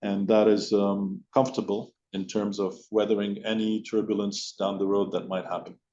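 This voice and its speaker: A man speaking as a company executive on an investor call, answering questions in a measured way with pauses. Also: fairly low pitch, little pitch movement, mellow. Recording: dull, lo-fi conference call audio.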